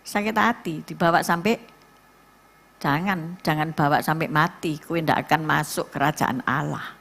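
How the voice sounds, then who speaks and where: A middle-aged woman pastor with a Javanese accent, preaching a sermon to a church and telling stories with lively asides to the congregation. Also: sits low, normal speed, vocal fry. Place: church service.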